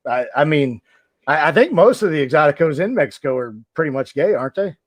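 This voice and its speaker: A man's voice: fairly high pitch, expressive, fairly quick, no echo. A man reminiscing casually as a podcast host, with a joking, self-mocking way of talking. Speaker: podcast host, former wrestler.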